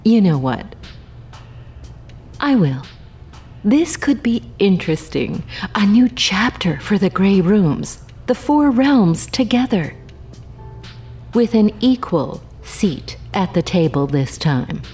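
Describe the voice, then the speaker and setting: Casting: arch infernal noblewoman, very husky, lively swooping intonation, theatrical drawl, music behind. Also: medium pitch, slow, exaggerated voice. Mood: intrigued. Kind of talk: audio drama acting.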